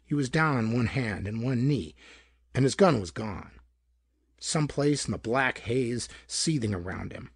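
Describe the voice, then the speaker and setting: Guy doing a noir detective audiobook, gravelly voice, really animated pitch, dramatic storyteller. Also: a little slow, dry recording, studio quality. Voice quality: gravelly, husky. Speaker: audiobook narrator. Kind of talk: scripted narration of hardboiled pulp detective fiction.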